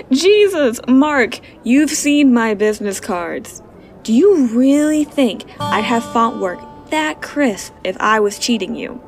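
Female smuggler, actress: sly, dismissive, sarcastic, slow delivery, higher register, audio drama. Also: big pitch swings, faint music behind, exaggerated voice. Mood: smug, sly. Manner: sarcastic, offhand.

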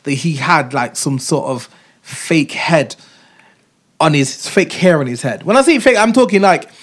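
A man with a noticeably high voice and a London accent hosts a casual chat. He talks like a roadman, leaning heavily on urban street slang. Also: lively intonation, measured pace, a bit bright. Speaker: podcast host.

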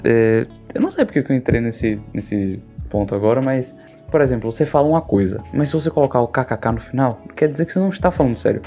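A man's voice: mid-range voice, a little mellow, dull audio. A young man from Brazil, hosting a podcast over a video call, rambling jokily and often trailing off and restarting. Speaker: podcast host. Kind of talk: casual rambling monologue. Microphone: video call mic.

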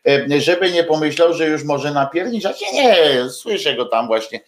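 A man's voice: on the high side, lively intonation, moderate pace, background noise. A man hosting a livestream, chatting casually with viewers in a hesitant, rambling way full of filler sounds and restarts, with jokey asides. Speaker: livestream host.

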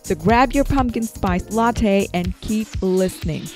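A woman's voice: medium pitch, a little slow, a little mellow, faint music behind. A woman hosting a podcast who reads an upbeat intro and asks interview questions. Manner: upbeat, enthusiastic. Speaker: podcast host.

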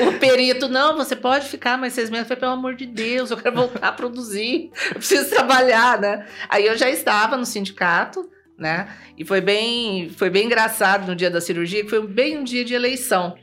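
A Brazilian woman as an interview guest, telling a personal story in a lively way, acting out remembered dialogue and often tagging her sentences with "né?". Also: fairly high pitch. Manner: lively, acts out remembered dialogue, tags lines with "né?".

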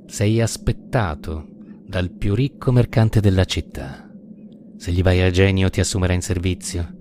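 A man's voice: low-pitched, fairly even intonation, a little slow, noisy background. Man putting on a teasing courtesan. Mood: urgent. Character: worldly graceful young woman courtesan, teasing.

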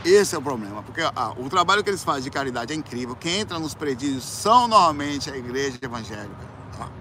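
Animated Brazilian man telling a story. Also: mid-range voice, fast, a little hiss or hum. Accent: Brazilian Portuguese. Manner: animated, colloquial, acts out quoted voices with sudden loud outbursts. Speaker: musician telling a personal story. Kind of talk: casual storytelling chat.

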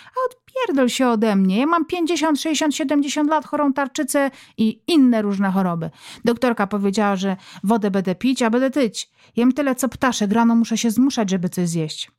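A woman's voice: a little high, expressive, normal speed, a little mellow, dry recording, studio quality, close to an everyday voice. A woman voicing a domineering, foul-mouthed middle-aged country mother who scolds her family in rural dialect. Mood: defensive.

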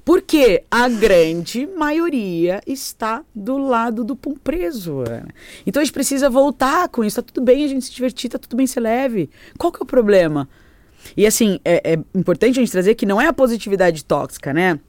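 A woman chatting on a podcast, animated and fond of acting out quoted voices. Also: a little high, moderate pace, dry recording. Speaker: podcast guest, company founder. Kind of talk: casual podcast chat.

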